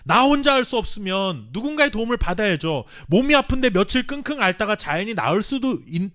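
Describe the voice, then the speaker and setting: A Korean pastor preaching a sermon with earnest emphasis and dramatic pauses, sometimes reading scripture slowly. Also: male voice, sits high, fairly bright tone. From South Korea. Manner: reads scripture aloud slowly with the congregation.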